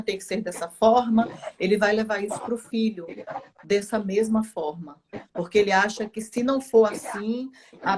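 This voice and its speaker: A woman's voice: mid-range voice, a little hiss or hum. A woman, apostle and co-host, explaining steadily in a live religious teaching talk.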